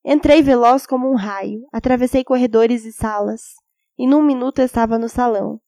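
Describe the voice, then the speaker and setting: Female narrator for classic fiction audiobook: slightly high pitch, grave dramatic storytelling, very dry recording. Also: moderate pace, dark tone, dry recording.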